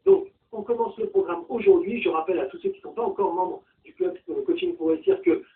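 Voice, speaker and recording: A man working as a coach, presenting a course in an animated, colloquial and emphatic way. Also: high-pitched, fast, creaky. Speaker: personal development coach. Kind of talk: promotional talk to camera introducing a course. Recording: distant mic, thin phone-like sound.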